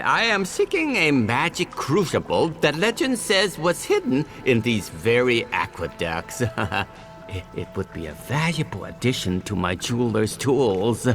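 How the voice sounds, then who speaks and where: Covetous Shen, a giggly old jeweler. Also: male voice, medium pitch. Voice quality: giggly, stammering, fussy. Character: eccentric old male jeweler, cheerful and scatterbrained. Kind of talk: video game voice acting.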